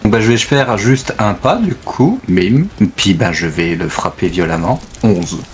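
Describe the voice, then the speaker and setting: A man's voice: on the low side, expressive, unhurried, a little hiss or hum. A man playing a tabletop role-playing game, chatting casually about his character's moves.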